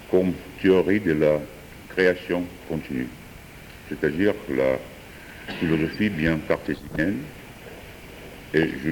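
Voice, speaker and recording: Slow deep-voiced man. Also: darkish tone, a little hiss or hum. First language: Georgian. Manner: hesitant, many pauses and fillers. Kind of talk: improvised philosophical talk. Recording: distant voice in a reverberant hall.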